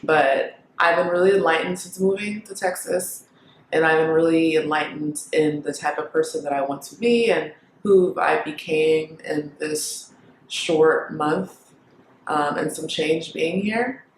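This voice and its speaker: Young woman vlogger, reflective, pausing often, recorded in a roomy space. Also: sits low, slight background noise. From Kenya. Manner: reflective, thinking aloud with many pauses and fillers. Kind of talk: casual talk to camera.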